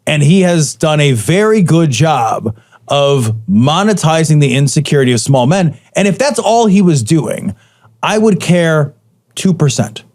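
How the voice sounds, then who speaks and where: A man's voice: on the high side, lively intonation, unhurried, darkish tone. A man co-hosting a podcast, indignant and sarcastic, driving points home by repeating them. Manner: indignant, sarcastic, emphatic repetition. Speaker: podcast co-host. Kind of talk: casual chat.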